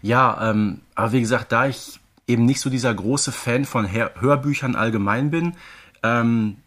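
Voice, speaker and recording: A man's voice: mid-range voice, normal speed, a bit bright. Conversational man co-hosting a podcast. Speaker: podcast co-host.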